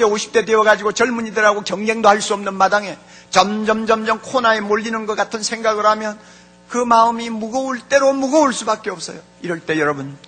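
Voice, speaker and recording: High, forceful male preacher. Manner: fervent, repeats key words, addresses the congregation directly. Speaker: pastor. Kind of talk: sermon.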